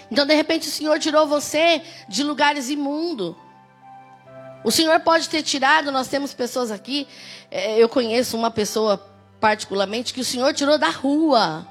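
A woman pastor with a Brazilian Portuguese accent, preaching a conversational sermon with emphatic, rising exclamations. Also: high voice.

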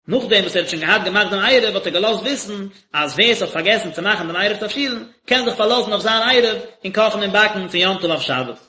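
A man's voice: high-pitched, quick pace, few pauses, pushed and bright. A man, a rabbi, teaching a daily religious text lesson and explaining it phrase by phrase in short bursts. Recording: echoey, dull lo-fi recording.

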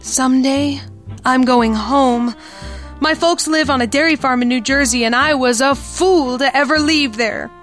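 A woman's voice: high-pitched, measured pace, a bit bright, faint music behind. A woman playing a sweet, scheming young dance-hall girl in the melodramatic style of an old pulp radio drama. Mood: wistful.

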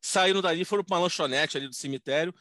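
A man co-hosting a podcast, telling family stories in an animated way and acting out the voices of the people in them. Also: fairly high pitch, very fast, no room sound, clean studio sound. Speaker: podcast co-host. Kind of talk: casual comedic storytelling.

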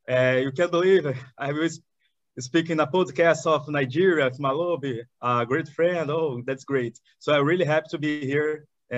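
A man with a Brazilian accent talks with eager warmth about his work, often pausing and restarting his sentences. His voice sits in an ordinary pitch range. The recording is dry and slightly muffled. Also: no room sound. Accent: Brazilian Portuguese. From southern Brazil. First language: Portuguese. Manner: enthusiastic, halting with many restarts. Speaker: guest, chamber of commerce director. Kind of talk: podcast interview.

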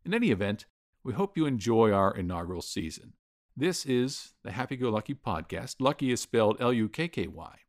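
A man's voice: medium pitch, very animated, a little fast, no room sound, studio quality. A middle-aged man narrating and explaining as a podcast game master.

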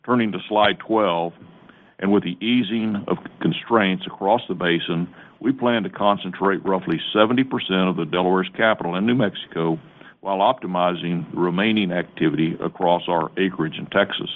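A man presenting as a company executive on an earnings call, reading a prepared script in a formal, measured way. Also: sits low. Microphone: conference call phone line. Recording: tinny narrow-band phone line.

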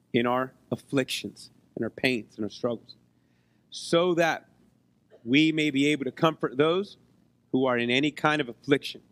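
A man preaching a sermon in a conversational way, his voice hoarse as if he has been losing it, often checking in with his listeners. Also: medium pitch, no echo. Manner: conversational, checks in with rhetorical questions. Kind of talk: sermon to a congregation. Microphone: close microphone on a PA.

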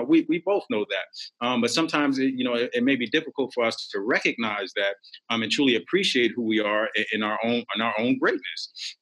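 A man guest telling motivational stories in an energetic, animated way with frequent ums. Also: medium pitch, low-quality recording. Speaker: guest author. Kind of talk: motivational storytelling.

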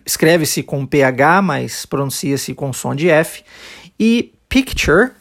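A man from Brazil hosting a podcast language lesson, explaining English phrases in a didactic way with fillers. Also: a little high. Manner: didactic, slow model phrases, hesitant fillers. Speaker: language teacher and podcast host.

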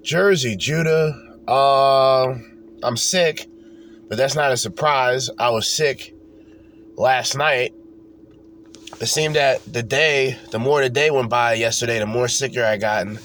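A podcast host, congested from a cold, talks slowly in a mid-range, slightly bright voice during his casual solo show. He rambles loosely and swears casually, with slight background noise in the recording.

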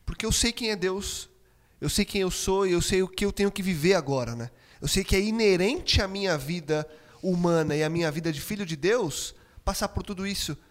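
High-voiced Brazilian man hosting. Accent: Brazilian Portuguese. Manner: reflective, poses questions. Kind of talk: casual faith discussion.

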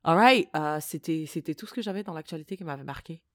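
A woman's voice: sits low, fast, dry recording, studio quality. A native French-speaking woman co-hosting a podcast, chatting casually and emphatically with slang, switching between French and English as she tells stories. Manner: animated storytelling, slangy, emphatic. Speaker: podcast co-host.

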